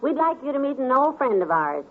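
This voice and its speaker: An actress playing a fond, chatty middle-aged wife in an old radio comedy. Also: female voice, high-pitched, sing-song, brisk. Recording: tinny old radio transcription.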